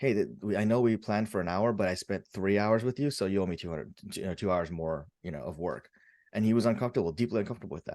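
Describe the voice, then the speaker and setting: Against a quiet background, a man talks at a very fast pace with a fairly low pitch and ordinary pitch variation. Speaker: executive coach. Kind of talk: interview.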